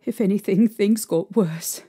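A young woman playing a distraught, haunted mother recounting her ordeal emotionally and haltingly in an audio drama. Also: mid-range voice, mellow, husky, faint music behind. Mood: uneasy, shaken.

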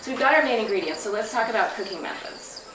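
A woman's voice: mid-range voice, lively intonation, fast talker. A woman in her thirties teaching a workshop at a flip chart, asking the group questions as she goes. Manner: friendly, asks the group questions. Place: outdoor pavilion, standing at a flip chart. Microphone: far camera. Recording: roomy, distant camera audio with noise. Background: insects and crickets.

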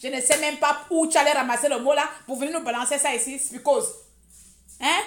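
A woman from Gabon speaks on a live social media stream in a high voice. Her talk is heated and mocking, and she hammers the same words again and again. The phone recording picks up a roomy echo. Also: steady tone, fairly quick, a little hiss or hum. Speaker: online commentator.

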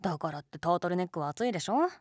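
Low-voiced, teasing college girl played by a woman. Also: lively intonation, very fast, dry recording, studio quality. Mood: teasing, amused. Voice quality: low-toned. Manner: teasing, casual, gently coaxing. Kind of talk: intimate situation-voice role-play, casual chat.

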